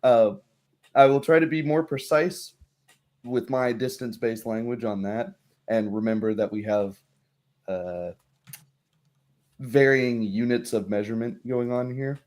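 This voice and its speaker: A tired man chatting casually as game master and host of a livestreamed tabletop game, giving a recap in a halting way. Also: medium pitch, steady tone, a little mellow.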